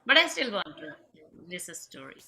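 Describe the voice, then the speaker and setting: Woman from india on a call, eager and chatty, bright voice, a bit of faint noise behind. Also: on the low side, big pitch swings, moderate pace. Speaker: participant. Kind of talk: casual chat on a video call.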